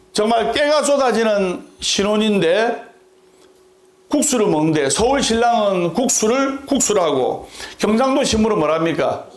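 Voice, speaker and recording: A male Buddhist monk with a Gyeongsang accent mixed with Seoul speech, preaching in a deliberate way and having the audience repeat after him. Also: high-pitched, echoey room. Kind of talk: sermon with humor.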